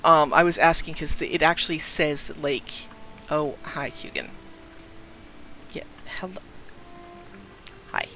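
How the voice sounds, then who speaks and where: A young trans man with a light, youthful-sounding voice chats casually on a game stream, rambling through stories, laughing often, and breaking off to greet viewers. His fairly high voice is pushed and bright, unhurried and full of pauses, with faint music behind him.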